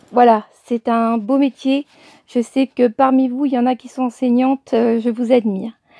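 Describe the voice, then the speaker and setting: A woman's voice comes through in a dry, close sound with no echo. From Burgundy, France. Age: 40s. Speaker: YouTuber, former teacher. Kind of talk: Q&A vlog. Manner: hesitant, many fillers.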